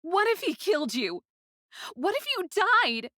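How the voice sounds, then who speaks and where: A woman's voice: sits high, sing-song, unhurried, sharp tone, no room sound, full character voice. Emotive young princess played by a woman, dry recording. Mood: anguished fury. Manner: intense, emotive. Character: grieving, passionate young captive princess narrating her story. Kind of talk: dramatic first-person storytelling, fan-fiction podcast.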